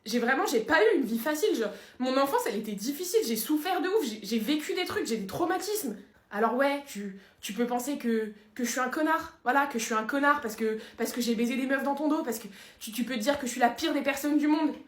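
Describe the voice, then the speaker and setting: A woman's voice: high voice, expressive, fast. A woman playing a self-pitying young boyfriend who cheated, whiny and self-justifying, in a comedy sketch. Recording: roomy echoey room.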